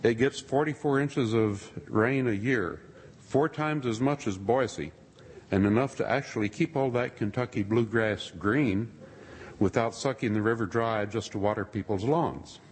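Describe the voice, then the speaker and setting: A man giving a sermon-style talk to a congregation, with dry, wry asides and a husky voice. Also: mid-range voice, measured pace. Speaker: speaker addressing a congregation. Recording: long reverb of a large hall.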